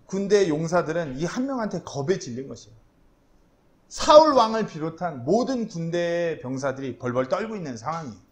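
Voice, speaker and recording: A man preaching a sermon as pastor, telling the story in a lively way with personal asides. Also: sits high. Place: church.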